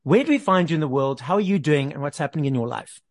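A man's voice: fairly high pitch, lively intonation, fast, no room sound, studio quality. A man hosting an entertainment interview show, moving between scripted introduction and friendly questions. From South Africa. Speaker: podcast host and interviewer.

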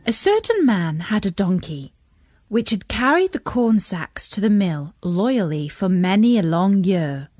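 A woman reading a children's story as narrator, expressive and measured. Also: mid-range voice, soft background music.

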